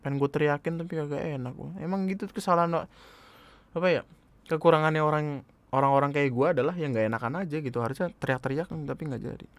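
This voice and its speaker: A man's voice: a little high, quick pace, no echo. A young man reads his own poems and posts aloud in a casual, joking way, laughing and swearing as he goes. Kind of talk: casual monologue reading his own writings.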